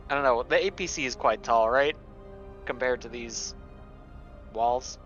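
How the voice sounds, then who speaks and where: A man's voice: mid-range voice, a little slow, fairly bright tone, faint music behind. A man playing a tabletop game, casually and thoughtfully talking through tactics on a slightly muffled voice track. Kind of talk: casual in-game planning chat. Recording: slightly dull, band-limited voice track.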